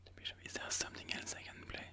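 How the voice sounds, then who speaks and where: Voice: racing, pushed and bright. A person whispering breathily in an ASMR style, musing aloud move by move as they comment on their own chess game.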